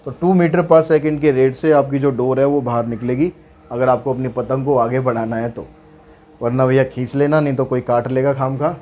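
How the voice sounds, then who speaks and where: A man's voice: medium pitch, fairly even intonation, normal speed, dark tone, a little hiss or hum. A man teaching maths, walking through worked problems in a chatty way with asides and jokes. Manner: chatty, mixes English terms into speech, light jokes.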